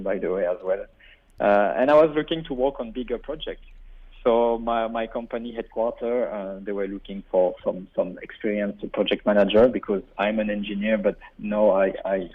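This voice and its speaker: This radio guest, a man in his forties calling in by phone, has a lowish, slightly rough voice. A native French speaker born in Burundi, he carries a French-speaking Belgian accent and chats while often repeating words as he looks for them.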